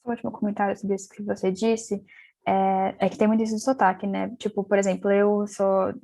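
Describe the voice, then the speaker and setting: A woman's voice: mid-range voice, little pitch movement, a little fast, gravelly, mellow. A young woman explains English grammar in a loose, chatty way. She often restarts her sentences and spells words out letter by letter. When she switches into English, her accent is from London. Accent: London English when speaking English. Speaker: English teacher. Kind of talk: casual online class explanation.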